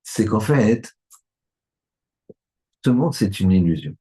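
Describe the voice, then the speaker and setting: A man's voice: fairly low pitch, sing-song, slow, mellow, breathy edge. A man, a rabbi, giving a Torah lesson in a conversational way, often checking that his listeners agree.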